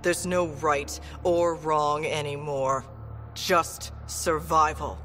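A woman playing a cold, threatening outlaw kidnapper in a video game, speaking deliberately. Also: deep voice, fairly even intonation, big-room sound, music in the background. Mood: cold menace. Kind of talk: dramatic video game acting.

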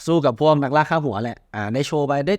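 A man hosting a movie news show in casual chat, blunt, slangy and excitable. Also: mid-range voice, very fast, no room sound, studio quality.

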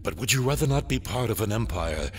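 A man playing a brooding, power-hungry dark lord in a sci-fi audio drama, with a theatrical, ominous delivery. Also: lowish voice, animated, quick pace, a little hiss or hum, natural voice. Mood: menacing.

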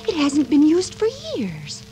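A frightened young woman in an old radio thriller, her voice pitched high and pleading. Music sits clearly under the old broadcast sound. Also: huge pitch swings, unhurried, warm tone, full character voice. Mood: scared. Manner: fearful, pleading. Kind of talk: 1940s radio drama acting.

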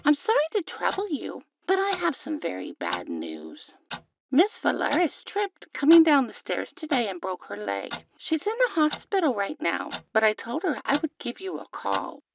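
Actress as a creaky-voiced, fussy motherly neighbor. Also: a little high, wildly swooping pitch, normal speed, exaggerated voice. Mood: apologetic, grave. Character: fussy, motherly female neighbor bearing bad news. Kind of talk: audio drama acting. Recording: muffled, noisy phone-call sound.

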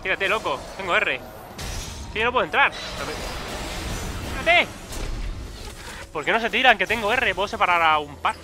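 Excitable high-voiced Spanish gamer. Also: male voice, normal speed, pauses often, over music. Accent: Peninsular Spanish. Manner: excitable, swearing, frequent loud outbursts. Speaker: gaming YouTuber. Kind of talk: live gameplay commentary.

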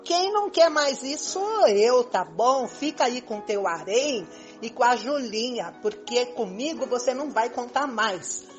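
A woman playing an anxious, possessive, quick-tempered lover in an amateur radio soap, dramatic and insistent. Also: fairly high pitch, expressive, soft background music. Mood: angry.

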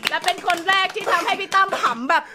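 A woman's voice: very high-pitched, fast, heavy background noise. A woman co-hosting with casual, playful, giggly banter. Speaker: co-host. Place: living room. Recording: loud music over living-room talk.

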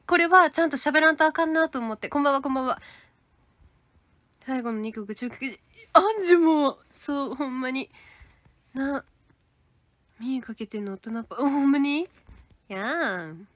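A woman's voice: high-pitched, moderate pace, long pauses, fairly bright tone, dry recording. A young woman with a Kansai accent, chatting casually and giggling as she reads fan comments on a livestream. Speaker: idol livestreaming to fans.

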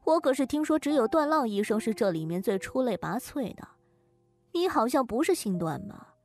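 A woman's voice: a little high, big pitch swings, normal speed, a little mellow, faint music behind. A woman voicing a pushy, sneering female patient in her thirties in an audio drama, with sarcastic, needling delivery. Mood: scornful.

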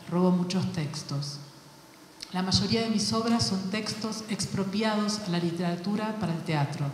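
A woman, an actress and playwright on a panel, reading a prepared essay in a measured, literary way with deliberate pauses. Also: medium pitch, a little mellow. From Argentina. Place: large hall at a panel event. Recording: very echoey hall, faint background noise.

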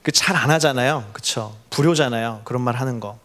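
A man's voice: medium pitch, brisk. A young adult man preaching a sermon to college students, telling stories with animation and having the congregation repeat words after him. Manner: animated storytelling, leads the congregation in call-and-response. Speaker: pastor.

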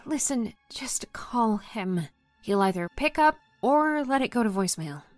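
Actress as a caring, confiding friend, dry sound. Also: female voice, a little high, lively intonation, measured pace, no room sound, soft background music. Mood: reassuring. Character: caring, confiding female friend with inside sources. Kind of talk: audio drama acting.

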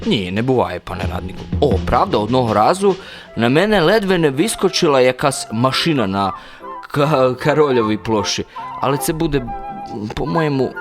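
A man's voice: mid-range voice, very animated, normal speed, music in the background, lightly acted. A man acting in a radio drama as a good-natured, naive, chatty soldier who is deferential and folksy while being questioned. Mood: innocently cheerful. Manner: deferential, rambling, folksy politeness.

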